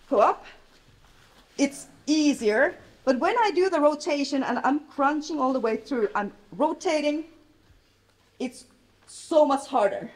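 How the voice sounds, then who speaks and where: A woman in her thirties from Finland with a Finnish accent, teaching a live jiu-jitsu technique class in a loud, plain, halting way. She is recorded by a far camera in a large, bright mat hall with windows. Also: sits high.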